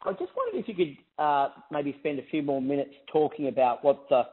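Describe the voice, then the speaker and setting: A man's voice: on the high side, lively intonation, fairly quick, slightly rough. A man calls in as an investor, putting questions conversationally on an earnings call. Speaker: investor caller. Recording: narrow, tinny phone line.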